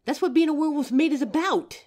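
A woman's voice: high-pitched, quick pace, darkish tone, close to an everyday voice. A young woman voicing an anxious, protective female werewolf who stammers and sighs as she talks to her partner. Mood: worried. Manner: hesitant, stammering, sighing often. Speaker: voice actor in audio roleplay. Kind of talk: audio roleplay for a listener.

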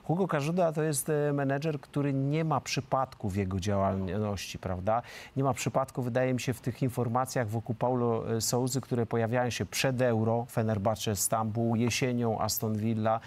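A middle-aged man speaks as a football pundit in a large TV studio. His talk is fluent and emphatic, with frequent hesitation fillers, picked up by a lapel mic at a mid-range pitch. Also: level tone, moderate pace, darkish tone. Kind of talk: studio discussion.

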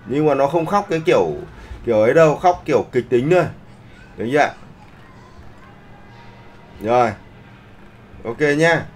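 An expressive, mid-range male voice, moderate in pace and pausing often, belongs to an instructor running a live online art class. He keeps checking in with the students to see that they follow, speaking with polite particles.

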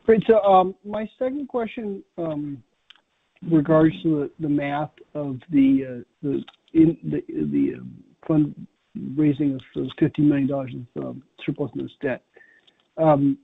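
A man's voice: a little high, expressive, a little slow, gravelly, breathy edge. A man, an analyst, asking rambling, stumbling questions on an earnings conference call. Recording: tinny phone line.

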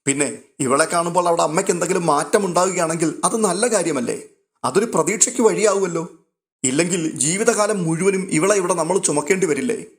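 A man voicing a sharp-tongued, spiteful young woman who speaks in a mocking, dismissive way. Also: sits high, pitched above the performer's own voice.

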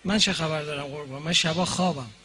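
A man voicing a mild male detainee who gives soft, deadpan answers under questioning. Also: on the high side, slight background noise, voice pushed down. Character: meek, cheeky male detainee playing dumb.

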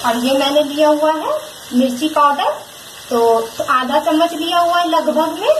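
High-voiced woman teaching a recipe in an echoey kitchen. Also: expressive, a little slow, noisy background. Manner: patient, repeats instructions, directly addresses viewers. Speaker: home cook presenting a recipe. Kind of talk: step-by-step cooking demonstration. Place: home kitchen at the stove.

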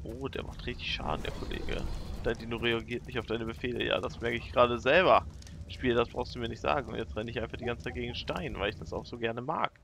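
A man commentating his own gameplay in a casual let's-play style, animated and quick to shriek in panic when things go wrong. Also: mid-range voice, creaky, slight background noise.

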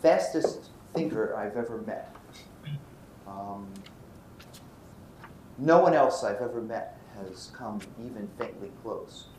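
A man's voice: lowish voice, takes it slowly. Older man lecturing in an echoey hall. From Brooklyn, New York. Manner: animated, checks in with students. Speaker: physics professor. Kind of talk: university lecture. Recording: roomy lecture hall, faint noise.

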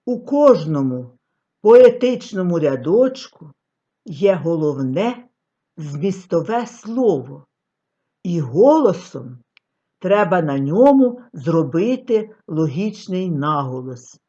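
A woman giving a scripted lecture on artistic reading, with expressive, declamatory delivery and long pauses. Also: on the low side. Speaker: reading teacher. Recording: dull lo-fi recording.

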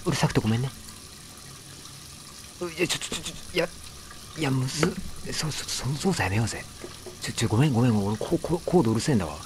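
A man's voice: medium pitch, animated, rapid-fire. A man giving casual let's play commentary, chatting to the game and its characters as he plays. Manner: chatty, talks back at the game, apologizes for noise.

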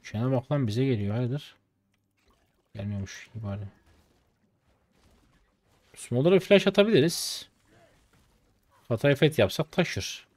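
Excitable Turkish gamer with lively pitch. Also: male voice, a little slow, pauses often. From Turkey. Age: late 20s. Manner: slangy, excitable, shouts when the game turns. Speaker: streamer. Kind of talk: casual gameplay commentary.

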